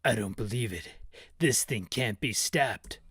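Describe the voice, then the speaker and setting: A man voicing a gruff, urgent male action veteran in dramatic video game dialogue. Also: lowish voice, lively intonation, measured pace, fairly bright tone, no room sound, voice pushed down, full character voice. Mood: grim urgency.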